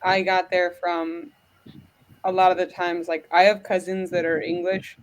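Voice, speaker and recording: A woman's voice: lowish voice, flat delivery, unhurried. An American woman hosting a casual chat, rambling with many fillers. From United States. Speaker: podcast host.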